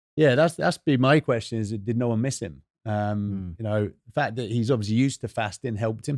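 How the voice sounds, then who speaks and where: Here a man with a British accent talks at a moderate pace in a medium pitch with ordinary pitch variation, the sound dry and close with no echo. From UK. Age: 40s. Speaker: ex-military adventurer. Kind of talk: casual chat. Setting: studio.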